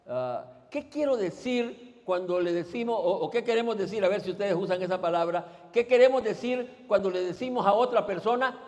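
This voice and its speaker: A man's voice: high voice, expressive, normal speed, hardly any pauses, darkish tone. A male pastor preaching a sermon, asking the congregation to repeat after him and throwing out questions. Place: church sanctuary. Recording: long church reverb.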